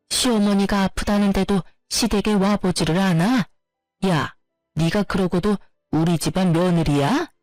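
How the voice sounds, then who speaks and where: A woman's voice: fairly low pitch, a little mellow, dry recording, natural voice. A woman voicing a domineering older mother-in-law who berates and insults her daughter-in-law in a story narration.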